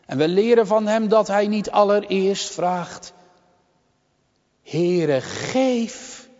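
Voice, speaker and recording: Male preacher, measured and grave, slightly high voice, long echo of a church, muffled lo-fi recording. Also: steady tone, a little mellow. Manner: slow, solemn, deliberate delivery with long pauses. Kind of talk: sermon. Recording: long church reverb, dull lo-fi sound.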